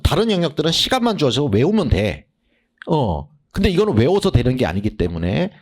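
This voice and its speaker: A man lectures to his students in a loose, blunt way, breaking into quick impressions of them. His pitch leaps up and down constantly, and his voice is otherwise mid-range. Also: darkish tone. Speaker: English literature lecturer. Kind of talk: casual lecture orientation.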